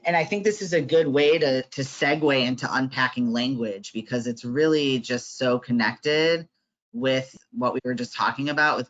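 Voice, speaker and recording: A man's voice: medium pitch, a bit bright, muffled recording. A man facilitating an online workshop, talking conversationally with lots of fillers and tag questions.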